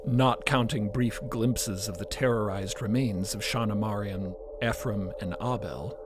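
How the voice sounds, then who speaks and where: A man delivering dramatic scripted narration with deliberate, theatrical phrasing. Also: on the low side, heavy background noise. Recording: loud music bed. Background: loud cinematic music.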